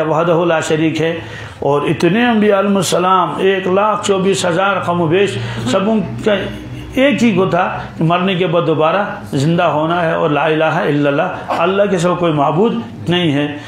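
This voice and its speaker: Man, high-pitched voice, Quran commentary lesson, slow Arabic verse quotes, echoey room. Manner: teaching with call-and-response, having listeners finish his sentences; quotes Arabic verses slowly, then explains them. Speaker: Quran teacher.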